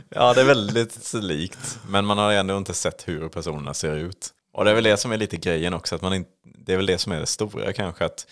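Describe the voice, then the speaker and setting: A man with a low, slightly bright voice co-hosts a casual podcast, steering the topics while often hesitating and restarting his sentences.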